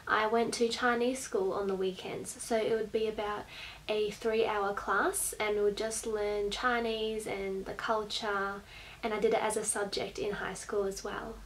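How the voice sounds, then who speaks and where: A young Australian woman chatting to camera in a small, bright bedroom. She sounds friendly and easygoing, with an occasional soft laugh. Her pitch sits in a middle range, and a faint hiss lies under the recording. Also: level tone, measured pace, low-quality recording. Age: young adult. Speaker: vlogger. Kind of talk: casual talk to camera. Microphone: camera at desk distance.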